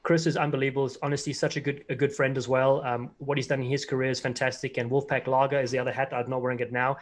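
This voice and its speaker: Fast-talking South African man on a video call. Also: mid-range voice, level tone, slight background noise. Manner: quick, rambling anecdotes full of fillers and restarts. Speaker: guest, former player and commentator. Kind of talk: casual interview storytelling.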